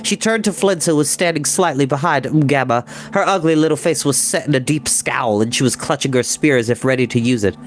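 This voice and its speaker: A man reading a children's fantasy novel aloud as an expressive storyteller. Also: medium pitch, fairly quick, hardly any pauses. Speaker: storybook reader. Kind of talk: expressive scripted narration.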